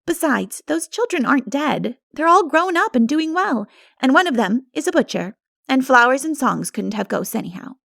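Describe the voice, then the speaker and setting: A woman voicing a practical, excitable young girl in an animated, emphatic audiobook reading. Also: high-pitched, normal speed, creaky, no room sound, clean studio sound, voice pushed up, exaggerated voice. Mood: practical, firm. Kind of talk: dramatic audiobook character reading.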